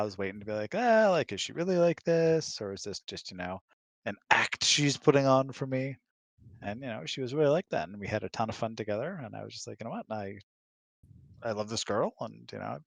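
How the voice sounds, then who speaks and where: A man's voice: fairly low pitch, lively intonation, a little fast, gravelly, dry recording. A man in his thirties talking casually in an easygoing, joking way. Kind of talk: casual chat. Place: indoors, close and dry online voice hangout.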